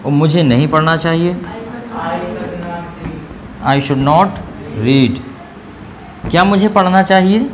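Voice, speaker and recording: A man's voice: on the high side, noisy background. Hindi-speaking male teacher drilling English grammar. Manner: explains in Hindi with English examples, repeats sentences slowly; asks students checking questions. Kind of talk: classroom grammar lesson.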